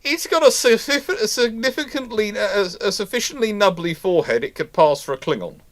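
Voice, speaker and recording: A man hosting a live history question-and-answer stream in casual chat, talking in a halting, rambling way with repeated words. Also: high-pitched, lively intonation. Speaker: host of a live naval history Q&A.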